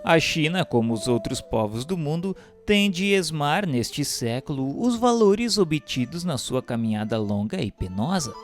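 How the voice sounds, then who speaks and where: Expressive man narrating solemnly. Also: a little high. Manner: oratorical, formal, measured. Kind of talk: solemn scripted narration of a spiritual text. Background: music.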